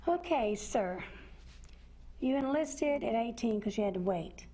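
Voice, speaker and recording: A woman's voice: a little high, expressive, measured pace, warm tone. A middle-aged woman hosting a television interview, prompting her guest with simple, encouraging questions. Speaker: television show host. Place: indoor television studio.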